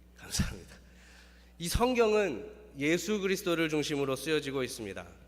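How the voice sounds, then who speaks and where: Very wide pitch swings at a fairly quick pace, with audible room echo. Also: man, fairly high pitch for a man. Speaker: pastor. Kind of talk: sermon. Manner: speeds up when preaching.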